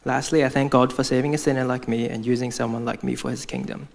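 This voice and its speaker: A man's voice: mid-range voice, flat delivery, fast talker, creaky. A young man from Hong Kong giving a prepared church testimony, speaking earnestly as if from notes.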